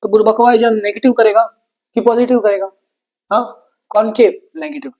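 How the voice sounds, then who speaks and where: A man's voice: sits high, steady tone, dark tone. A man teaching an exam-prep science lesson, chatty and playful, asking questions and answering them himself like a student. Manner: chatty, plays both teacher and student in quick back-and-forth.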